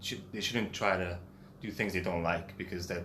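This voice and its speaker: With a non-native accent, a man talks at a moderate pace in a very deep, low pitch, with audible room echo. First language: not English. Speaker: English teacher, director of studies. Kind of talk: casual discussion. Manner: halting, repeats words.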